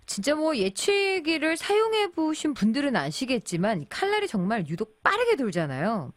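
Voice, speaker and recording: A woman hosts a radio program and interviews a guest by phone, moving briskly from question to question. Her pitch rises and falls a great deal. The studio sound is dry and close. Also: sing-song, no room sound. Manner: brisk and engaged, frequent short acknowledgments. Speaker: radio host. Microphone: studio mic.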